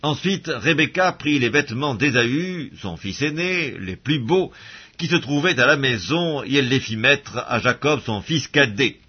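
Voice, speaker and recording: A man, reading scripture aloud in a measured, solemn way. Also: mid-range voice, animated, husky, dull audio. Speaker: Bible reader.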